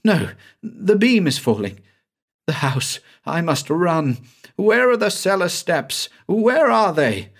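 A man's voice: big pitch swings, slow, a bit bright, full character voice. A man voicing a terrified, guilt-haunted man who shrieks in frantic fear in a dramatic audiobook reading. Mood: panicked. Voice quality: shrill, frantic.

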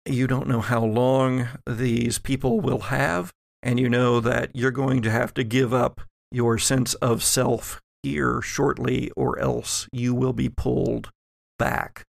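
Slow-paced gravelly man narrating a tabletop game. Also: medium pitch, little pitch movement, no room sound, clean studio sound. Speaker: game master. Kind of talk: tabletop role-play narration.

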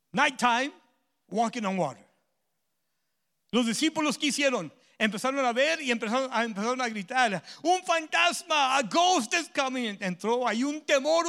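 High-voiced preacher switching Spanish and English. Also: bright, forceful tone. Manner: preaches in Spanish, repeats each phrase in English; punctuates phrases with drawn-out "ah". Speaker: pastor. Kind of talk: bilingual sermon.

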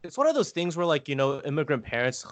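A man's voice: fairly high pitch, sing-song, fast, dry recording. An American man chatting casually as a guest, rambling and hesitant with lots of "like" fillers. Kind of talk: casual conversation.

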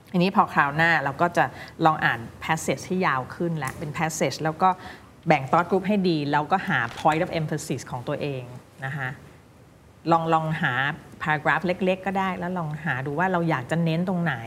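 A woman teaching English pronunciation, drilling single words slowly and then explaining quickly. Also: deep voice, fairly bright tone, a little hiss or hum. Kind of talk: pronunciation coaching. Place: recording studio.

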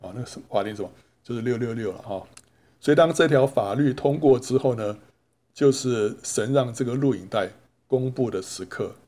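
A man's voice: medium pitch, warm tone. Man preaching with rhetorical questions. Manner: asks rhetorical questions and answers them himself; drawn-out sentence-final particles. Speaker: Bible teacher. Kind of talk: storytelling sermon.

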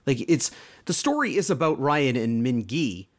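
A man's voice: medium pitch, moderate pace. A man with a Canadian accent, chatting casually as a podcast co-host about a show he watched. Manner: animated, mock voices when quoting. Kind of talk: casual chat reviewing a show.

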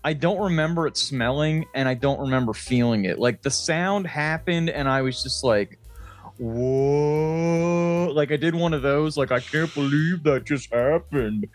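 A man co-hosting a comedy podcast, telling casual, profane anecdotes in a chatty, animated way. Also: on the high side, unhurried, faint music behind. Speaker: podcast co-host. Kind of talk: casual comic storytelling chat.

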